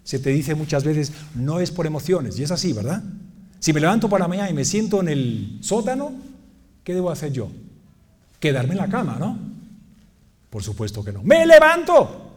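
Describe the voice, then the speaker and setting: A middle-aged man preaching a lively sermon, moving from quiet asides to loud exclamations, joking with the audience and clearing his throat often. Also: fairly high pitch, normal speed, long pauses.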